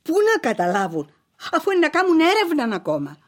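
An actress with a Cypriot Greek accent playing a devout, pious old mother who is gentle but stern. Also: sits high. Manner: pious, scolding, lively speech.

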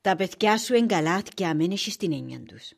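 An actress playing a practical, reassuring niece who speaks Cypriot Greek dialect briskly in a husky voice. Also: female voice, on the low side, lively intonation. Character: reassuring, practical niece tending her aunt. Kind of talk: dramatic dialogue in dialect.

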